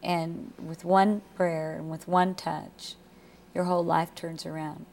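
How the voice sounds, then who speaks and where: A woman's voice: on the low side, flat delivery, slow pace, vocal fry, a little mellow, slight background noise. Woman hosting a Christian TV interview. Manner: sympathetic, sums up the guest's story in dramatic terms. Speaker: Christian television host.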